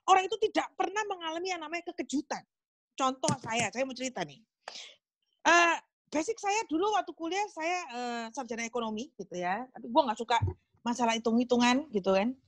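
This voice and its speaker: A woman's voice: sits high, expressive, fairly quick, no room sound. A woman preaching a casual sermon, chatty and acting out little dialogues. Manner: chatty, acts out dialogues with God. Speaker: preacher at a small group meeting.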